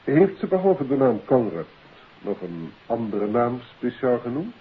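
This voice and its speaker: Businesslike police inspector, very husky voice, formal, 1950s radio drama, tinny muddy recording. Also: male voice, mid-range voice, sing-song, unhurried, exaggerated voice. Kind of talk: 1950s Dutch radio play acting.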